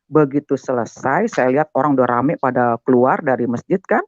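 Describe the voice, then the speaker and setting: An older man telling his conversion testimony as a guest, animated and talking straight to his listener. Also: mid-range voice, brisk, no echo. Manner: animated, keeps addressing the listener as "Pak". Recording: dull, muffled, dry sound.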